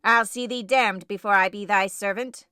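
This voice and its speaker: A rough young country lad from a storybook, as a woman reader puts him on. He is surly and proud, with a curt, growling delivery that is quick to anger. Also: medium pitch, sharp tone, no echo, soft background music. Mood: angry, growling. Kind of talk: audiobook character voice.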